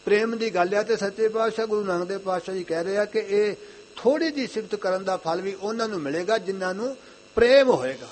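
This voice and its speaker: A young man with a high voice delivers an earnest Sikh sermon, circling back over his own phrases. He slows into a chanting cadence whenever he recites scripture. A faint hum sits under the recording. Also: expressive. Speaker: Sikh preacher.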